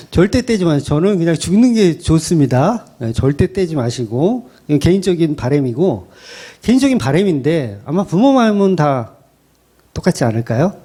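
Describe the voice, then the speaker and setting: A man's voice: a little high, very animated, normal speed, warm tone, breathy edge. A middle-aged man, a pastor preaching a sermon in a conversational style, acting out quoted voices.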